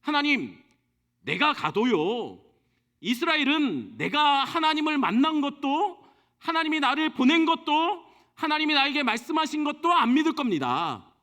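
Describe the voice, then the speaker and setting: A man's voice: extremely high pitch, sing-song, moderate pace, sharp tone, voice pushed up, exaggerated voice. A man voicing Moses as a stubborn, whiny man who keeps making excuses and pleading. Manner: pleading and argumentative.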